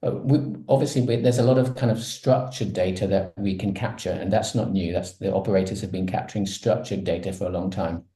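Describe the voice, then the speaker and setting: Low, mellow man in an echoey room. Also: steady tone, fairly quick, hardly any pauses. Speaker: podcast participant from a betting tech company. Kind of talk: casual conversational podcast discussion. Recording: roomy, echoing sound.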